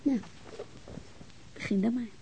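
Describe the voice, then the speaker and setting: An actress playing a gentle, independent eighteen-year-old daughter with a Netherlands Dutch accent in a radio drama, affectionate, frank and coaxing, with faint hiss. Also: female voice, on the high side, takes it slowly, creaky, slightly rough, exaggerated voice, low-quality recording. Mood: tender, teasing.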